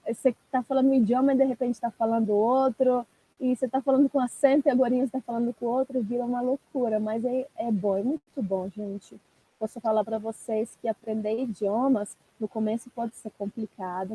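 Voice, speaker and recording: Brief woman guest, mellow husky voice, easy chatty live-stream talk. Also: a little high, steady tone, fairly quick, rough recording. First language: Italian. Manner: chatty, laughs often, addresses viewers as "gente". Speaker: guest language teacher. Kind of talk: casual live-stream conversation.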